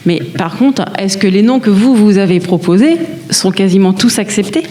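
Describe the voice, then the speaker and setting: A woman's voice: mid-range voice, animated, moderate pace, mellow. A woman speaks as a town councillor, putting spontaneous questions in a meeting.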